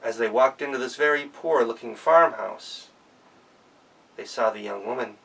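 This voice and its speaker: A man telling a folktale as a professional storyteller, expressive and deliberate in his delivery. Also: medium pitch, gravelly, far from the mic, rough recording. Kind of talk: oral folktale storytelling, performed live.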